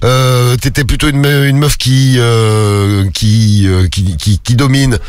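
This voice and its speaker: A man's voice: mid-range voice, steady tone, slow, darkish tone, no echo, studio quality. A man hosting a live call-in radio show, chatting loosely and joking with his co-hosts and callers, with many fillers.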